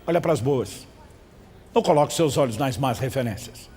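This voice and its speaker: A man's voice: mid-range voice, expressive, normal speed, darkish tone, husky, long reverb tail. A man from Brazil preaching a sermon as pastor, emphatic and calling on the congregation to respond.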